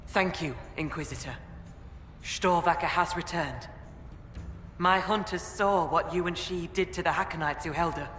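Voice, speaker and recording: A man playing a grave, proud tribal leader in a fantasy game, speaking formally and with measured solemnity. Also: a little high, pushed and bright. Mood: solemn, stern. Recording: roomy reverb with faint ambient noise.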